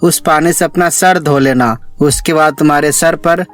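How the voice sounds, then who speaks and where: A man's voice: fairly high pitch, steady tone, normal speed, a bit bright, faint music behind, lightly acted. A man voicing a kindly magical talking pond in a storybook tale, in a solemn, benevolent manner.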